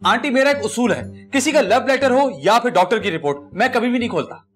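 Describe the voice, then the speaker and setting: A man's voice: very high-pitched, lively intonation, fairly quick, fairly bright tone, soft background music. An actor playing a cheeky, clownish young man with a Pakistani Urdu accent, blurting his lines with comic exclamations. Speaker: young relative. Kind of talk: sitcom acting.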